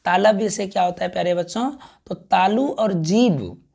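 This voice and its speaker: A man teaching a grammar class, who keeps calling out to the children, sounds out syllables slowly and answers his own questions. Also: high-pitched, gravelly, darkish tone.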